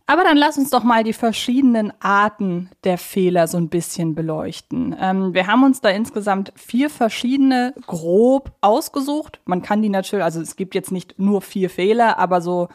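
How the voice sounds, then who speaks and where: A woman's voice: medium pitch, lively intonation, moderate pace, hardly any pauses. A German woman co-hosting a casual fan podcast, talking in a reflective, conversational way. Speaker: podcast co-host.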